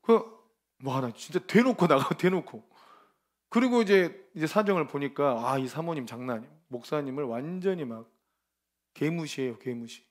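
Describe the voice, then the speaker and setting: A man preaching a lively, informal sermon at a ministry training, emphatic and colloquial, often breaking into laughter. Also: fairly high pitch, moderate pace.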